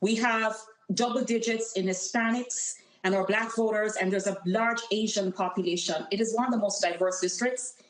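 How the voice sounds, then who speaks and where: A woman's voice: medium pitch, fairly even intonation, normal speed, few pauses, echoey room, low-quality recording. A woman with a Jamaican accent, a political candidate speaking earnestly and emphatically as a guest on a remote call. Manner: earnest, emphatic campaign talk. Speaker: congressional candidate. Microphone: call audio.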